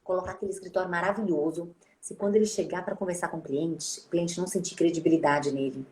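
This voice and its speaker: Animated Brazilian woman host, echoey room. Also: on the low side, fast. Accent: Brazilian Portuguese. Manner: animated, acts out quoted greetings. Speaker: host, speech therapist. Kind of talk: casual interview chat.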